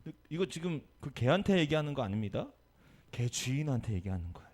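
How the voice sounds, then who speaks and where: A male pastor giving a Sunday sermon, telling a story with lively energy and asking the congregation questions. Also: medium pitch, fast. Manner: animated storytelling, acting out quotes.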